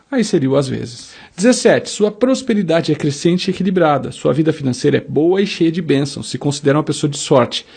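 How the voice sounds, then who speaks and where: A man's voice: on the high side, vocal fry, darkish tone, breathy edge. A man leads a self-help quiz, reading each statement and acting out sample answers in the first person. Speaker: motivational speaker.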